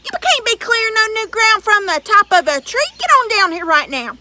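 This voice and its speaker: Storybook giant, male, boastful and slow-witted, blustering and loud, put on by a woman storyteller. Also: extremely high pitch, very animated, noisy background, pitched above the performer's own voice. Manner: blustering, shouting.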